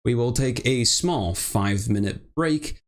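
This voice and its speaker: A young Brazilian man with a mixed British and American accent hosts an interview show, chatting casually and rambling. His mid-range voice is expressive and unhurried, at a measured pace.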